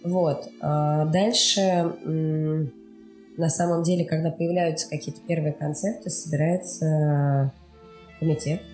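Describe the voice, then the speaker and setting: Low-voiced woman explaining in a roomy space. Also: darkish tone. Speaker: animation studio production executive interviewed as guest. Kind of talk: explanatory interview answers. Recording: roomy echo with faint music behind.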